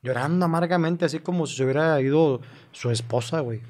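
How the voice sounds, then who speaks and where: Curious Mexican host asking questions. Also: male voice, a little high, quick pace, darkish tone. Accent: Mexican Spanish. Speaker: podcast host. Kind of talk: casual interview chat.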